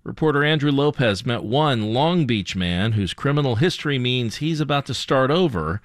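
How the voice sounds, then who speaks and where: A man anchoring a radio newscast, reading in a relaxed, conversational way with small fillers. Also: medium pitch, normal speed, dry recording, clean studio sound. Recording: music bed behind the voice.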